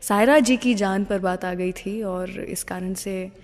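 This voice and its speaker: A woman's voice: mid-range voice, fairly even intonation, slow, long reverb tail. A woman hosting a radio show in a conversational storytelling style, mixing English phrases into her Hindi. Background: music playing under the voice.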